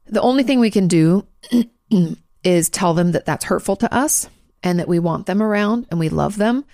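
A congested American woman with a low, gravelly voice hosts a podcast and answers listener questions. She talks frankly and earnestly in a loose, casual way, with plenty of ums and restarts. Her voice is recorded close up and dry, with no room sound. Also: moderate pace, dark tone, no echo. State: congested, clearing her throat. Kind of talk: casual advice talk.

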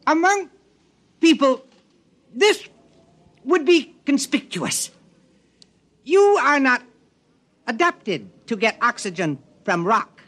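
An actor playing a calm alien explorer who glows and eats rock, speaking formally and precisely without contractions, in a radio drama. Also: male voice, extremely high pitch, slow, pauses often, dry recording, full character voice. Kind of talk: 1950s radio drama acting.

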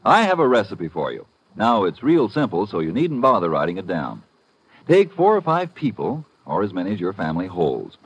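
A man's voice: low-pitched, huge pitch swings, normal speed, noisy background. An American man reading a folksy, playful 1950s radio advertisement as the announcer. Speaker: commercial announcer. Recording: dull, roomless old radio recording.

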